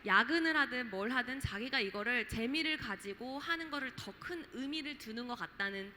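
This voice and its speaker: A bright, fairly high-voiced woman in her late twenties from Jeju talks on a festival panel. She is chatty and reflective, with plenty of fillers. Her voice rings through a reverberant hall over faint ambience. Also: expressive, moderate pace, slight background noise. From Jeju, South Korea. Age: late 20s. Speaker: panelist, startup founder.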